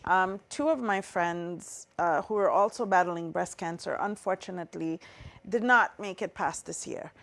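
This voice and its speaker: Earnest woman from Trinidad, gravelly edge. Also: fairly low pitch, normal speed, fairly bright tone. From Trinidad and Tobago. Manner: earnest, reflective, many fillers. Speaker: guest. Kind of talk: interview conversation.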